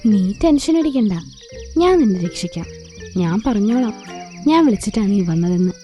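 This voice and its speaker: A woman's voice: mid-range voice, expressive, moderate pace, warm tone, soft background music, close to an everyday voice. A woman voicing a scheming, greedy young female sparrow in a children's cartoon, with a coaxing, childlike manner. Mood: reassuring.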